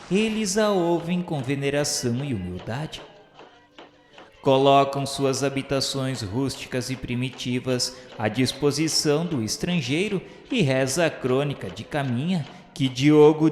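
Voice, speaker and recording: A radio novela narrator with a Brazilian accent and a mid-pitched voice reads solemnly and declaims like a formal literary reading. He sounds reverent and scripted, and the very echoey recording carries background music behind him.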